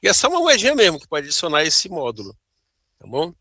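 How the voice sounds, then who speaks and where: A Brazilian board game designer with a slightly high voice talks fast and sharply, his pitch swooping wildly, as he explains his prototype over a video call in a casual interview chat. He keeps checking in with "né?" and "tá bom?" in his Brazilian Portuguese accent, and the sound is clean, studio-like, with no echo.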